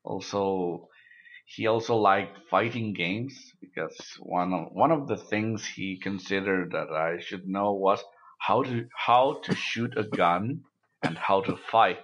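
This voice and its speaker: A man from Mexico, a native Spanish speaker, talks in English in a slow, deep voice. He recalls things haltingly, with frequent restarts. The sound is a little dull and lo-fi. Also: fairly bright tone. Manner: measured, halting recollection with restarts. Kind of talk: casual conversation.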